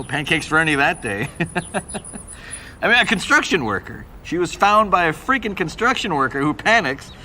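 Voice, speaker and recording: An actor playing a self-assured, opinionated Hollywood murder-tour guide who talks casually with a wry edge. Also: male voice, mid-range voice, sharp tone. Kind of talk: casual conversational explaining. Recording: noisy outdoor city street ambience. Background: street and traffic noise.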